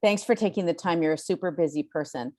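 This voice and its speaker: A woman's voice: lowish voice, fast, slight background noise. A woman hosting a podcast interview, chatty and easygoing, with lots of ums and easy laughs. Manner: warm, chatty, many ums, laughs easily. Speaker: podcast host. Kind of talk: casual interview chat.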